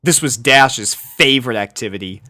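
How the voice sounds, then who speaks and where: A woman's voice: extremely low pitch, normal speed, pushed and bright. A woman narrating a scripted story as a reader of fan fiction.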